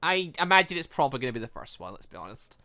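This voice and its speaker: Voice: medium pitch, sing-song, rapid-fire, bright, forceful tone. A gaming video host giving casual, chatty, jokey commentary while playing through a game and reading its dialogue aloud.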